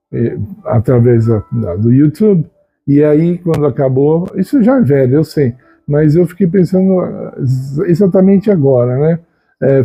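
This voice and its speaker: A man giving an unhurried, conversational spiritual talk, often tagging his sentences with a questioning "né?". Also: a little high, mellow, slightly rough, lo-fi sound. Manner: unhurried, conversational, frequent "né?" tags. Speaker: Christian video host. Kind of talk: reflective spoken teaching.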